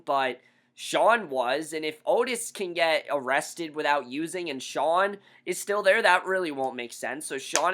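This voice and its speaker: A man casually reviewing a TV episode, blunt and opinionated, his voice hoarse after being sick. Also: mid-range voice, sharp tone. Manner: blunt, opinionated, repeats himself. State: hoarse from recent illness.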